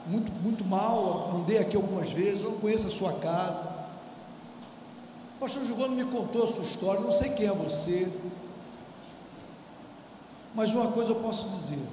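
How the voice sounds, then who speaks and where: A man, a visiting pastor, preaching a fiery sermon in a large church, shouting and half-singing some lines. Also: high-pitched. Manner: shouts and sings lines, acts out quoted believers. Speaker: guest pastor. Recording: echoey church hall, distant mic, faint noise.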